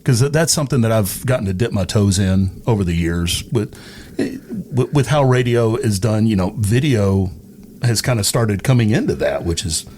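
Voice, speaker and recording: Middle-aged man with lively, varied pitch. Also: normal speed. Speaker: interview guest, radio personality. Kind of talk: casual chat. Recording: clear background noise.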